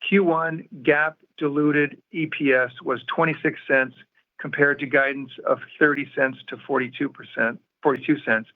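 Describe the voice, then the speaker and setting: A man formally reading a scripted financial report in a matter-of-fact way, as a company executive on an earnings call. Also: mid-range voice. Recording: muffled, narrow-band phone conference line.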